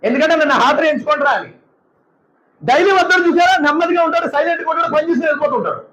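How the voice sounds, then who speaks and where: A man who is an imam, delivering a lively sermon and slipping into quick voices of his listeners. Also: extremely high pitch, roomy sound, rough recording. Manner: animated, mimics congregants in asides.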